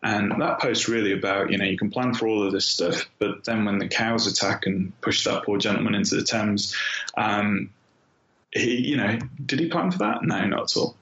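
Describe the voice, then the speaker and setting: A man's voice: fairly low pitch, normal speed, fairly bright tone. A middle-aged man talking casually as an interview guest, acting out his own thoughts as he tells his story. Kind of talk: casual conversational interview answers. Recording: muffled, roomy, echoing sound.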